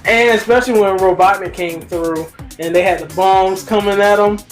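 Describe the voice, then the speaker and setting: A man chatting casually as a review co-host, excitable, rambling and slangy. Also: high voice, moderate pace, faint music behind. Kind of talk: casual fan review chat.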